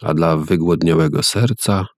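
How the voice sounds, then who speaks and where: A man reading a story aloud and voicing a calm, dreamy old farmer who speaks slowly and solemnly. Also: extremely low pitch, dry recording, clean studio sound.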